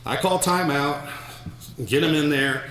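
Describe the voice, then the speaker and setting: A middle-aged man from the United States speaks a little slowly in a slightly high, fairly bright voice during his hall of fame acceptance speech. His stories ramble, with many restarts and repeated words. The sound echoes around a large hall.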